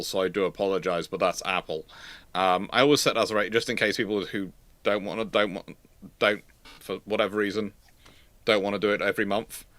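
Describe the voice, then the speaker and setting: A man's voice: on the low side, pushed and bright, no echo. A man hosting a casual live question-and-answer stream, stammering and often repeating words as he restarts his phrases. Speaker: livestream host answering viewer questions.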